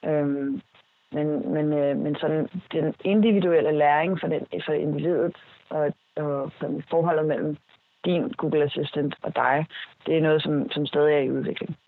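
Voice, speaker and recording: Interview guest, man, slightly high gravelly voice, halting and filler-heavy, phone-thin dry sound. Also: fairly even intonation, no echo, phone-quality sound. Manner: hesitant, many fillers and restarts. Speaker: interviewee, speech technology expert. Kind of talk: explanatory interview answers.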